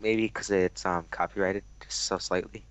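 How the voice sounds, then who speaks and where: A man's voice: deep voice, steady tone, normal speed, clean tone. A man talking through a voice changer in casual chat while playing a game over online voice chat. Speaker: gamer.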